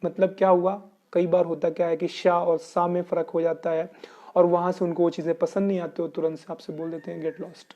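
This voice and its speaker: A man's voice: high voice, flat delivery, a little fast, dark tone, highs cut off. A man from Uttar Pradesh with an Indian accent, teaching English in a lesson and answering his own questions. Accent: Indian Hindi-speaking. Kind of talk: explanatory Hinglish lesson.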